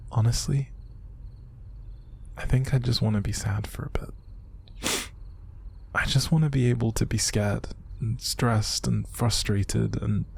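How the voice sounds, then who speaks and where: Breathy, gravelly, downcast young man, acted. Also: fairly low pitch. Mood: sad, resigned. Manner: halting, sighing, hushed, naturalistic delivery. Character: upset, exhausted young man bottling up his sadness. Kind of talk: intimate audio roleplay monologue to an unseen listener.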